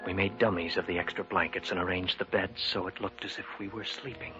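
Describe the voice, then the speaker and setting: An actor narrating and playing a main character in a 1950s radio drama, steady and earnest, on a dull old broadcast recording. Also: male voice, low-pitched, a little fast, loud music behind the voice, natural voice.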